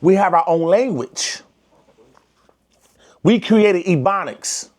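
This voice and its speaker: A fairly high-pitched man with an African American Vernacular accent talks straight to the camera in an emphatic, preaching way. He is from the United States and leans heavily on slang. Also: animated, slow pace. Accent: African American Vernacular English. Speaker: vlogger. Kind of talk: direct-to-camera commentary.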